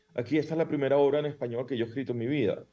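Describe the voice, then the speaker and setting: His intonation stays fairly level. This man talks at a medium pitch. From Venezuela. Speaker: theatre director and playwright. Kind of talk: interview. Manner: halting.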